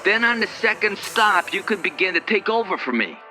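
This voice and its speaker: A man acts out a volatile American delivery boss in a story, pitched high. He is bossy, needling and curt, a real bully, with music clearly behind him. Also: big pitch swings, fairly quick, sharp tone, exaggerated voice. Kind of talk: acted character in a story.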